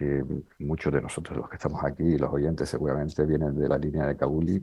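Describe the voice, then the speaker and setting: A man speaks in a very deep, low pitch. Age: 60s. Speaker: psychologist and regression therapist. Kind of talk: conference talk. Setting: symposium presentation. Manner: hesitant, many fillers.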